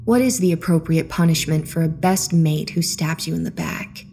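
A man voicing a mysterious, seductive woman who speaks slowly and softly with calm authority. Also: on the high side, vocal fry, faint music behind, voice pushed up. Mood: coaxing. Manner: slow, soft, coaxing delivery.

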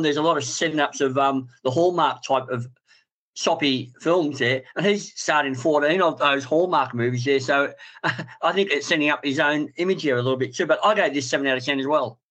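A man's voice: fairly high pitch, animated, a little fast, fairly bright tone. A man, a film critic on a casual panel, talking with hesitations and ums.

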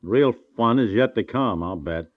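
A man's voice: on the low side, animated, moderate pace, dry recording, close to an everyday voice. An American man playing a wry, grumbling, worried husband in a conversational 1950s radio comedy style. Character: grumbling, worried husband planning to build a house. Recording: dull vintage 1950s radio recording.

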